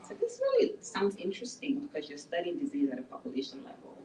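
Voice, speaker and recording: A woman's voice: low voice, huge pitch swings, quick pace, mellow, slight background noise. A middle-aged woman, an author giving a conversational talk about her life and work to a small audience. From Nigeria. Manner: conversational, explains plainly. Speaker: author and speaker. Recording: echoey room from a distance.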